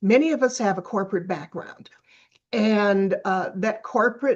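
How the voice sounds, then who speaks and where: An unremarkable speaking voice from a woman at a medium pitch and a fairly slow pace. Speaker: sales coach. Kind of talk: talk.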